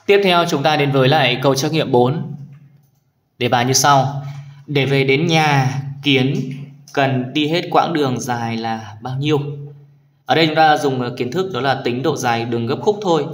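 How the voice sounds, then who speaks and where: A man teaching young children math, talking them through each step patiently and often checking that they follow. His voice sits at a middle pitch. The recording carries a noticeable room echo. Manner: patient, addresses pupils warmly with tag questions. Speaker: primary school math teacher. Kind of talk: explaining exercises in a video lesson.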